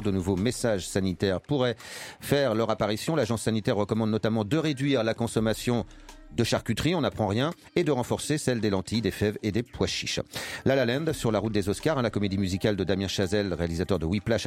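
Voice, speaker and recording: A man's voice: lowish voice, a little mellow. A man reading a radio news roundup with offhand asides and fillers. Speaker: news reader.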